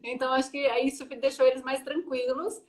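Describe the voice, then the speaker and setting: A woman's voice: sits high, level tone, fairly quick. A Brazilian woman hosting a live interview on a video call, chatting and giving direct advice. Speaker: host.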